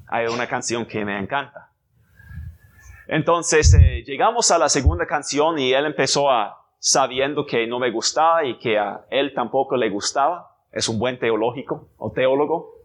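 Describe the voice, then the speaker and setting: A man preaching a sermon as pastor, deliberate and emphatic, with rhetorical questions and sudden rises in pitch. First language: English.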